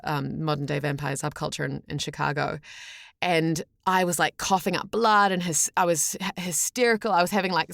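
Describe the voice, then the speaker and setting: A woman with a New Zealand accent chatting as an interview guest, telling anecdotes in a halting, chatty way full of "like". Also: low voice, no echo, studio quality. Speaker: podcast guest, voice actor.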